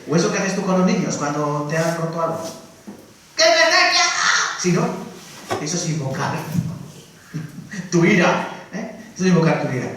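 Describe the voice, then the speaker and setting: A man preaching a Sunday sermon in a lively way, dropping to soft asides and rising to loud calls, acting out quotes. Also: fairly high pitch, moderate pace, pauses often, slight background noise. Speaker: pastor. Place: church hall. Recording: echoey church room from far off.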